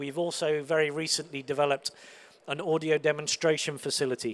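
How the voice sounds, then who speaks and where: A man speaks with a British accent at a fairly high pitch. His intonation is monotone and flat. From UK. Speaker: acoustics consultant. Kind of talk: conference presentation. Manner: hesitant, many fillers.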